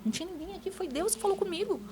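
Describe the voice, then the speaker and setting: Racing along in a very high, expressive voice, a woman shares her testimony against background noise. She's a church member speaking casually to a pastor, calling him pastor again and again and often adding "né?" to her sentences.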